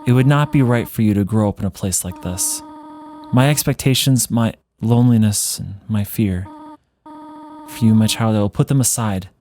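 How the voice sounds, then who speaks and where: A man voicing a gentle, sorrowful motherly monster from a video game, speaking slowly, tenderly and solemnly. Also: lowish voice, slight background noise, lightly acted. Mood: sad, resigned. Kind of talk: voiced read-along of game dialogue.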